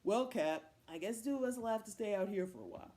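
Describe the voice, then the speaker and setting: A woman voicing a puffed-up male hunter in a folk tale, pompous and drawn-out in manner. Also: mid-range voice, lively intonation, mellow, close to an everyday voice. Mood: sheepish. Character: puffed-up, self-important male hunter, secretly afraid of his wife.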